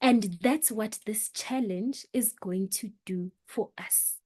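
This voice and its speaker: A woman coaching an online workshop on public speaking, talking with expressive shifts in volume and pace for emphasis. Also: mid-range voice, slow, husky. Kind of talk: motivational online workshop talk.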